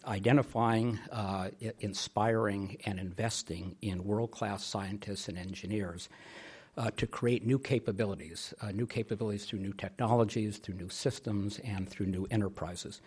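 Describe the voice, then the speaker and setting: A middle-aged man with a fairly low, husky voice makes a podium speech as host. He delivers a formal introduction, halting and deliberate.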